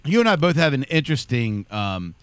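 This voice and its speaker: Lively, rambling podcast host man. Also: mid-range voice, brisk, clean tone, no echo. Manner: rambling, restarts sentences often. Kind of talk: casual podcast chat.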